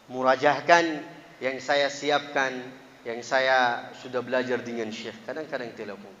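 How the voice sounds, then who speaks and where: A man from an Arab country with an Arabic accent, speaking a second language as he teaches in an earnest, lively mosque sermon. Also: medium pitch, in a large hall, lo-fi sound, a little hiss or hum. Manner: earnest, lively, rising emphatic bursts. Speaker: Quran teacher. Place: mosque hall.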